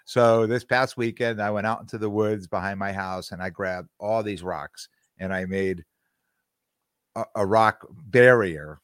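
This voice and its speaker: A man's voice: lowish voice, unhurried, no room sound, clean studio sound. A middle-aged man co-hosting a podcast, telling long casual stories with lots of false starts and restarts. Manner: rambling storyteller with many restarts. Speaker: podcast co-host.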